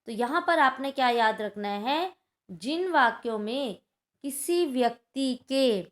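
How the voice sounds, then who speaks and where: A woman's voice: high-pitched, animated, slow pace, a bit bright. A woman teaching a Hindi grammar lesson to schoolchildren, explaining patiently and checking in often with her class.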